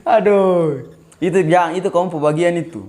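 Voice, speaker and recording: Playful high-pitched Ambonese man over music. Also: normal speed. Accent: Ambonese Malay. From Maluku, eastern Indonesia. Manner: playful, insistent pleading. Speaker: prank-call host. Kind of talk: casual prank-call banter. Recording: music playing behind.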